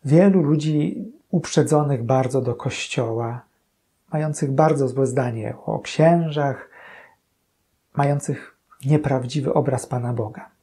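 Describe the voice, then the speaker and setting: A priest in his thirties giving a calm, earnest gospel commentary in a small chapel room. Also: mid-range voice, breathy edge. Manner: calm, earnest, slow-paced reflection. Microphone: fixed camera, medium shot.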